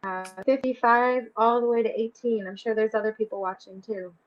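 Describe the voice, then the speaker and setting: A woman's voice: a little high, steady tone, brisk, lo-fi sound. A woman in her twenties hosting a casual live chat, giggling often and reading out viewer comments. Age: 20s. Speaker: host of a live stream.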